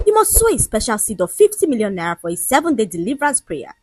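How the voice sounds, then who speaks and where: A woman's voice: a little high, big pitch swings, fast, noisy background. Woman doing a greedy, preachy woman pastor. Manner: preachy, demanding.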